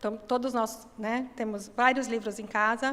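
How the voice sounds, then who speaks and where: The speaker talks at a fairly slow pace in a São Paulo accent, with fairly even intonation. Audible room echo surrounds the voice. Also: woman. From São Paulo, Brazil. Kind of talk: sermon-style talk at synagogue service. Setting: synagogue with congregation. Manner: slightly halting, self-correcting.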